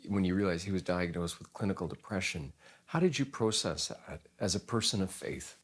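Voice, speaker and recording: A man hosting a Christian talk show, interviewing guests and reflecting pastorally on faith, quoting scripture at a slow, measured pace. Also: deep voice, animated, slightly rough.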